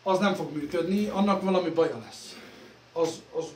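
A man chats casually as he works in a workshop, his voice sitting slightly high. He rambles, pokes fun at himself and lets his phrases trail off softly. A phone picks him up in an echoey room with faint ambient hum behind him. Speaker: computer repair vlogger. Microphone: phone camera.

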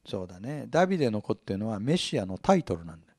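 A middle-aged male pastor giving an expository Bible sermon, teaching in an animated way and asking his listeners questions. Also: on the low side, rapid-fire, no room sound, clean studio sound.

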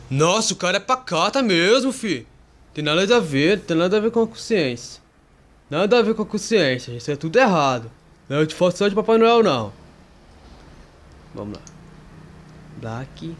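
Excitable male gamer, lively swooping voice, faint hiss behind. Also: a little high, normal speed, pauses often. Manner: excitable, yelps at jump scares, talks to viewers and a friend. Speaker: gamer playing a horror game. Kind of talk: casual gameplay commentary.

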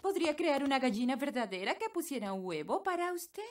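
A woman's voice: high voice, sing-song, brisk, very noisy. A woman voicing a bossy, dry fairy nanny in a cartoon, speaking theatrically in a Latin American Spanish accent. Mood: dutiful. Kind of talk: animated cartoon dub. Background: music.

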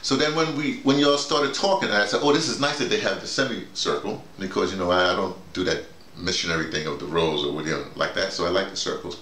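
A man's voice: sits low, fast talker. Older American man, echoey room. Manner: digressive, self-quoting, animated storytelling. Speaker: theater director and workshop leader. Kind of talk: informal debrief, rambling explanation. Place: small bedroom, indoors. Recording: echoey room with faint noise.

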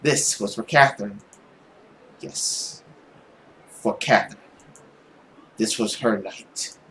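A man's voice: lowish voice, slow pace, a bit bright, a little hiss or hum, low-quality recording. A young man reading visual novel text aloud expressively, with his own commentary. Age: young adult. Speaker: video game player and narrator. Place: small room at home, indoors. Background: game music.

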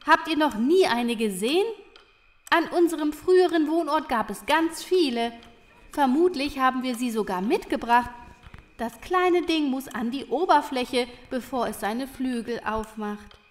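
A knowing little storybook critter, played by a woman. The voice is high and matter-of-fact. It explains things with calm certainty. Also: unhurried. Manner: explanatory, sure of herself. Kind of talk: audio drama acting for children.

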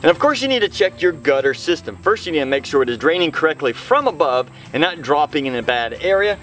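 Speaking fast with big swings in pitch, this middle-aged host has a fairly high, slightly bright voice. He explains practical home improvement steps to camera in plain, instructional terms while soft music plays underneath.

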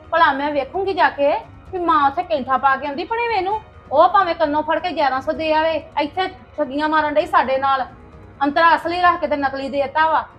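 A middle-aged woman playing a sharp-tongued village mother who rants loudly and fast. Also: high voice. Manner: rapid scolding rant, loud. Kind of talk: family comedy-drama skit.

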